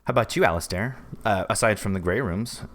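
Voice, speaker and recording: A man's voice: on the low side, fast talker, a bit bright. A man hosting a podcast, chatting casually as he interviews guests. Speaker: podcast host.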